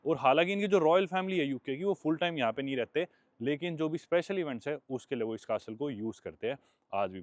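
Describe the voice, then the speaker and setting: A man's voice: mid-range voice, no echo. A young man from India, chatting casually as a travel vlogger while walking outdoors and explaining what he sees. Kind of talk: casual travel vlog narration. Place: outdoors by a road in a small town.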